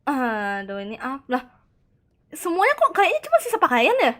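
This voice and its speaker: Chatty woman streamer, higher-pitched. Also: huge pitch swings, moderate pace, a bit bright. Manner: chatty and exclamatory, reacting aloud and reading chat; sprinkles in Japanese words. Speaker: streamer playing a horror game. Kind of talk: live gameplay commentary.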